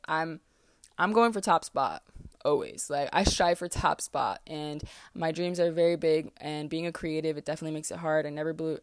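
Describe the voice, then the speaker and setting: Young woman, podcast host, rambling and candid, lowish voice, dry close sound. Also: dry recording. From US East Coast. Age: 20s. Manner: candid, rambling, many fillers and restarts. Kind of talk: casual solo podcast monologue. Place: closet, small room.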